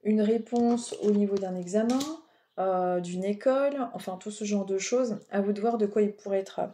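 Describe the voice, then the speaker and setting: A woman's voice: mid-range voice, normal speed, warm tone, a little hiss or hum. A woman with a French accent giving oracle card readings in a casual, rambling way, full of fillers and asides. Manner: chatty, rambling, digressive with many fillers. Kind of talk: casual spiritual guidance talk.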